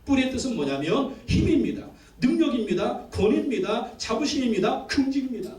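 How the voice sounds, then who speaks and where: A male pastor preaches with emphasis, stacking repeated phrases and calling for responses. His voice sits high for a man. It carries through a roomy church sanctuary and is picked up from some way off. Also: expressive, brisk, a little mellow. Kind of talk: sermon. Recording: echoey church from a distance.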